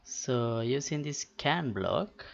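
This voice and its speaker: A man giving an unscripted software tutorial, halting as he thinks aloud. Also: mid-range voice, lively intonation, creaky, dull audio. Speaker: tutorial host.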